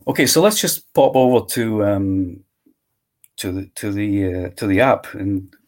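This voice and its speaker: A man walking through his software tool in a live screen-share demo, thinking aloud step by step. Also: lowish voice, a little slow. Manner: walks through steps aloud, thinking as he goes.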